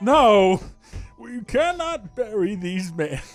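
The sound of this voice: Over music in the background, a creaky put-on character voice at a fairly high pitch swings very widely in pitch at a very slow pace.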